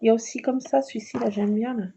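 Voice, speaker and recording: A woman chatting through a casual craft tutorial at home at night, keeping her voice hushed and often slipping into a whisper, with rambling asides. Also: a little high, fairly even intonation, fast talker, vocal fry. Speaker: craft video maker. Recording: muffled lo-fi with faint noise.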